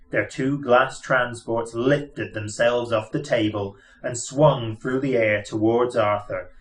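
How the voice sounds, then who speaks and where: A man reading a novel aloud as scripted storybook narration. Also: mid-range voice. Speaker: audiobook narrator.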